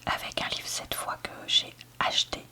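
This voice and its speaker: A book reviewer giving a candid, hesitant ASMR review in a soft library whisper, often searching for words. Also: moderate pace. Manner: soft library whisper, almost entirely unvoiced. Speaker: book reviewer, video host.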